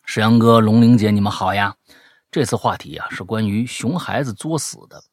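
A man hosting a chat show, reading listener letters aloud and teasing them with animated, mock-indignant commentary. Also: lowish voice, moderate pace, no echo, studio quality. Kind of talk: comic commentary on listener stories.

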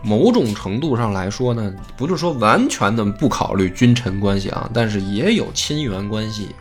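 A man's voice: lowish voice, normal speed, faint music behind. A man, casually telling a history story as a podcast host and acting out the quotes. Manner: lively, acts out quotes in plain voice.

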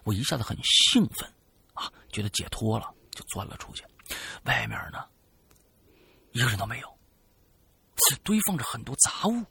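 A man co-hosting a podcast, reading a listener's ghost story aloud in a dramatic way that swings between loud and hushed. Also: mid-range voice, big pitch swings, moderate pace, gravelly, long pauses, slightly rough. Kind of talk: spooky storytelling.

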